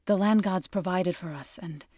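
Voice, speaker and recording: An actress voicing an earnest young tribal woman warrior in a video game, grave and devout, with measured, careful phrasing. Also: lowish voice, mellow, dry recording, clean studio sound, close to an everyday voice. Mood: wistful. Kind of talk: video game character voice acting.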